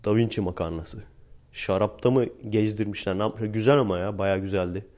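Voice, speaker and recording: A man's voice: on the low side, brisk, a little mellow. A man in his twenties from Turkey, hosting a podcast and telling stories from his teaching job in a chatty, slangy, wry way. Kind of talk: casual storytelling monologue.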